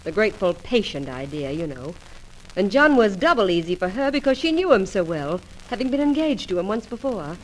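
Radio soap sidekick: savvy, wry young newswoman from an actress, medium pitch, slightly noisy old recording. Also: very animated, brisk, natural voice. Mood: brisk, confiding. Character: smart, wisecracking young woman reporter, loyal friend. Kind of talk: old-time radio soap opera acting.

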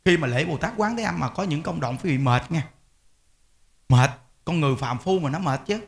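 Animated monk giving a talk. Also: male voice, on the high side, normal speed, gravelly. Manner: animated, emphatic, repeats words, addresses listeners directly. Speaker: Buddhist monk teaching lay followers. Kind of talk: informal dharma talk.

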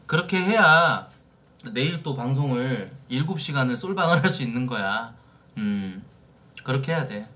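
A man's voice: medium pitch, a bit bright. A man in his thirties hosting a casual live stream, talkative and teasing, often addressing his viewers. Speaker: streamer host. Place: indoor streaming room, seated in office chair.

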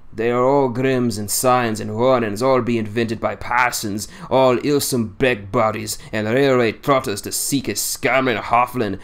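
Old sailor, scornful and grumbling, broad dialect, as an audiobook reader puts him on. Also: male voice, mid-range voice, natural voice. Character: boastful grumbling old male Yorkshire seaman. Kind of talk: audiobook reading.

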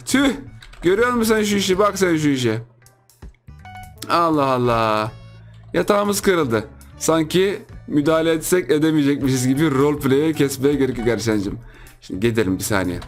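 Guy yapping over his gameplay, kinda high voice, jokey and teasing, faint game music behind. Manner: playful, teasing, chatty with viewers. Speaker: gaming YouTuber. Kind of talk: casual let's-play commentary.

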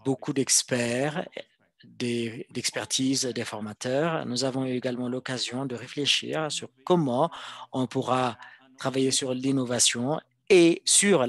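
A male interpreter renders a formal presentation live. His voice sits at a middling pitch. He speaks slowly and haltingly, delivering the speech phrase by phrase. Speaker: simultaneous interpreter.

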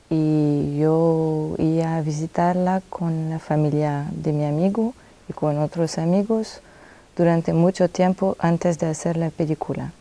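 A young woman from France, a film director speaking, answering interview questions in a halting, thoughtful way with many pauses and self-corrections, seated in a dark cinema auditorium. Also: low-pitched. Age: young adult.

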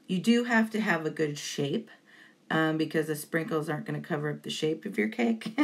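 A woman's voice: sits low, normal speed. A woman giving an informal step-by-step tutorial voice-over in a chatty way, encouraging to beginners. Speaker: baking tutorial host.

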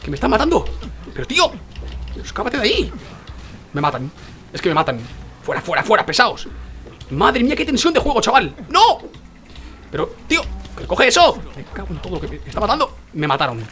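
Young man, Spain Spanish accent, excitable gameplay commentary, rapid-fire, lively pitch. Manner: excitable, exclaiming and repeating words rapidly. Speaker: gaming youtuber.

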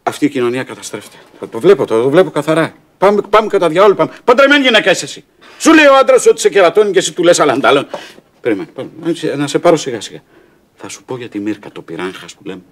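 A man's voice: on the high side, lively intonation. A blustering womanizing husband. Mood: indignant. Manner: blustering, exasperated. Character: womanizing husband, hot-tempered, middle-aged man. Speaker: actor in a sitcom. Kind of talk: TV sitcom acting.

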